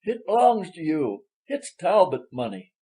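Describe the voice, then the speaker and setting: A man's voice: on the high side, wildly swooping pitch, a little slow, dark tone, pitched above the performer's own voice. A man voicing a loyal, proud old man from the American South, speaking earnest folksy dialect in a storybook reading. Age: older. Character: elderly Southern man, former plantation servant, proud and loyal.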